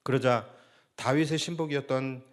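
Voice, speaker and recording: A man's voice: medium pitch, fairly even intonation, moderate pace. A man, a senior pastor, preaching a Sunday sermon earnestly and asking his listeners rhetorical questions. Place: church sanctuary.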